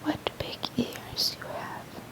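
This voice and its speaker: A woman softly whispering the lines of a trusting, curious young girl in a fairy tale. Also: slow, lightly acted. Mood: wondering. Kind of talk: ASMR storybook reading.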